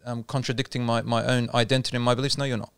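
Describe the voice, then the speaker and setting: Male Islamic speaker in a relaxed chat, explains patiently with anecdotes, gravelly and resonant, dry recording. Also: mid-range voice, racing, no room sound. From Australia. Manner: explains patiently, tells anecdotes, mixes in Arabic terms. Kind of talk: casual religious discussion.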